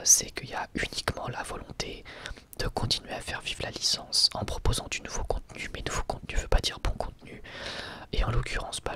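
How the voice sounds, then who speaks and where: A man whispering a casual, hesitant ASMR commentary in a breathy, unvoiced voice. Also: medium pitch, sharp tone. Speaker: ASMR video creator giving film opinions.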